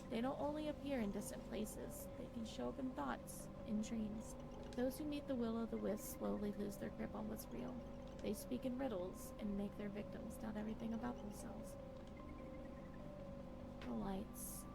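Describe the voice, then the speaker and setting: Horror visual novel lead: female actor as fearful, brooding wife losing her mind, high and creaky, halting theatrical delivery, noisy track. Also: fairly even intonation. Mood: uneasy, brooding. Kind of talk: dramatic first-person horror game narration.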